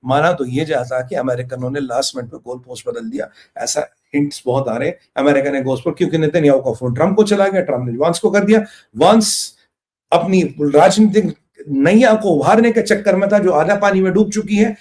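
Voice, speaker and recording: A man's voice: on the high side, a little fast, darkish tone. A man hosting a political commentary show, talking in a mocking, theatrical way. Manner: mocking, theatrical, acts out quotes.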